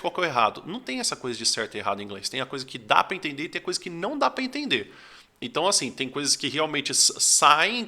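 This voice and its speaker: A man's voice: a little high, bright, forceful tone. A young Brazilian man teaching English, talking in a casual, conversational way full of fillers. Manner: conversational, lots of fillers like "tipo assim". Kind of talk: casual talking-head lesson.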